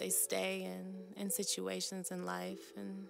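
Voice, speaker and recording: Over music in the background, a woman speaks in a soothing tone. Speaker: yoga teacher. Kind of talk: guided chakra meditation. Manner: soothing, casual.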